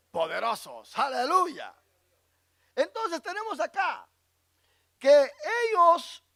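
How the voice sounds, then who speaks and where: A pastor preaching a sermon in a high, very animated voice that leaps up in loud bursts and drops into quiet low asides. He keeps calling the listeners brother and throws questions at them. The sound is close and dry, with no room around it. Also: vocal fry, no room sound.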